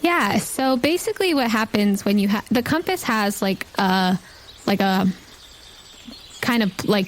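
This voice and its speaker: A woman's voice: mid-range voice, a little hiss or hum. A woman acting as game master, narrating a tabletop role-playing game in a descriptive, scene-setting way.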